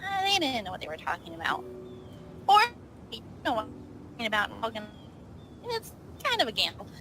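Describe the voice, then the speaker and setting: A woman's voice: on the high side, wildly swooping pitch, a little fast, sharp tone, a little hiss or hum. A woman chatting casually as she improvises as a player in a tabletop role-playing game.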